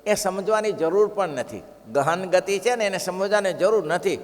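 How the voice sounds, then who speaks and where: High-voiced man preaching in a reverberant hall. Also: moderate pace. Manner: storytelling, repeats phrases for emphasis, chants verses. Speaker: preacher giving a scripture discourse. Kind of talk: devotional katha sermon.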